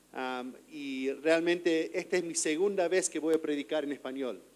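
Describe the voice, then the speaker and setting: Speaking at a fairly slow pace, a man has a non-native accent. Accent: foreign accent in Spanish. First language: English (speaking Spanish). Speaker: visiting preacher. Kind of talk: sermon. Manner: halting.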